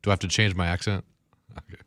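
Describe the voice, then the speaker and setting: A man co-hosting a show, chiming in with quick agreements and teasing questions. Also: deep voice, level tone, a bit bright. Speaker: co-host. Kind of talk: casual banter.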